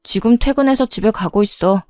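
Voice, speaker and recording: A woman's voice: medium pitch, brisk, darkish tone, dry recording, clean studio sound, lightly acted. A woman voicing an irritable, shifty man who is posing as someone's old flame, speaking curtly and defensively. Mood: snappish. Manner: curt and defensive.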